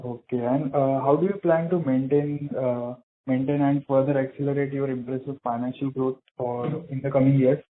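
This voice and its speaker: A man speaks over a thin, tinny phone line, his tone staying fairly flat as he asks an investor's questions. He is polite and a little hesitant, often pausing on "uh". His pitch sits in a middling range for a man. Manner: polite, hesitant, many "uh" fillers. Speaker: individual investor caller. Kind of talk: asking questions on an earnings call.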